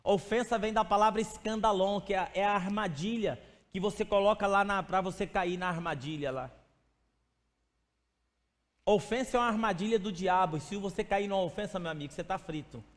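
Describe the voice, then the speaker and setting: A man's voice: sits high, fairly quick. A male pastor preaching a sermon in a conversational way, speaking to the congregation by name and acting out little stories. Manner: acts out stories with quoted voices. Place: church sanctuary. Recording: long church hall reverb.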